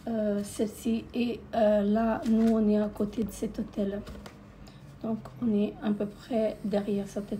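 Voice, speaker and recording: A woman's voice: mid-range voice, flat delivery, measured pace, mellow. Woman hesitantly showing off holiday purchases. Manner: hesitant, many filler sounds, repeats "comme ceci". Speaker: vlogger. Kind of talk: casual holiday haul vlog. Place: indoors at a holiday rental near the beach. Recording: crinkling packaging noise close by.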